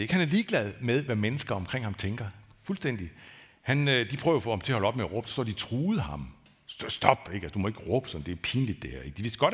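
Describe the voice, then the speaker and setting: Low-voiced pastor preaching conversationally. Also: male voice. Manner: conversational, searching for words, rising to emphatic peaks. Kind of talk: sermon. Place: church.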